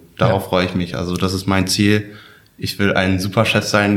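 A man speaks in a very deep, low voice with monotone, flat intonation. Audible room echo fills the recording. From Turkey. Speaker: hotel professional. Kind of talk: panel discussion. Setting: hotel industry conference.

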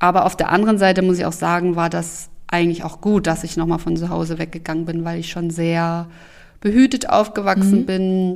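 Here is a woman with a normal speaking voice and a fairly low pitch. She talks at a fairly quick pace with fairly even intonation. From Dresden, Saxony. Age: 30s. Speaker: police officer and former beauty queen. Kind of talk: casual interview. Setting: remote call.

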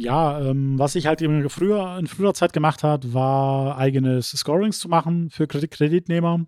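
A man with an unremarkable speaking voice, fairly high in pitch, at a moderate pace with ordinary pitch variation, in a dry, close sound with no echo. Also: hardly any pauses. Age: 30s. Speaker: P2P investor and blogger. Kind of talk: podcast interview.

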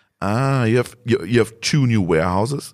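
A man with a German accent speaks with ordinary pitch variation. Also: very clean recording, silent background. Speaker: podcast host. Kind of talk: interview.

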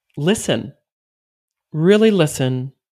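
A woman with a New England accent speaks very slowly on a very clean recording with a silent background. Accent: American, New England. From Massachusetts, US. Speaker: DEI expert. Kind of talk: interview.

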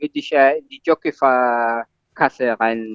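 A man with a Mongolian accent and fairly even intonation. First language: Mongolian (speaking German). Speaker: jockey. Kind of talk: interview. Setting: phone call.

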